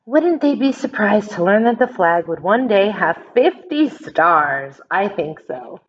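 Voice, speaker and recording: A woman's voice: mid-range voice, big pitch swings, measured pace, husky, lo-fi sound. An American woman reading a picture book aloud to children as a teacher, explaining it simply and putting questions to young listeners. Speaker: elementary school teacher.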